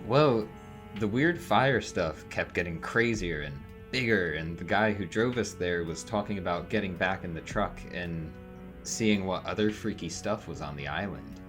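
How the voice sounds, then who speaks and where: Man acting hesitant, low-voiced young witness. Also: music in the background, natural voice. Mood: uneasy recounting. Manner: hesitant, halting, casual. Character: shaken, earnest young male witness, friendly and sheepish. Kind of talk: naturalistic audio drama acting.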